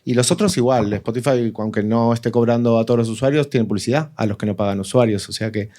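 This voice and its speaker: He is an Argentine man with a mid-range voice, taking part in an informal panel. He works through his thoughts aloud in halting phrases and repeats words to drive them home. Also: medium pitch, warm tone. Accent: Argentine Spanish. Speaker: panelist, audio fiction producer.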